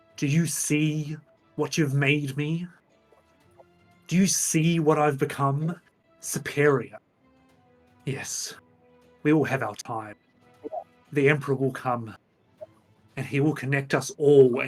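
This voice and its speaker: A man's booming, put-on character voice, fairly high in pitch, fairly slow with long, frequent pauses and fairly even intonation, over faint music in the background. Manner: menacing, grandiose.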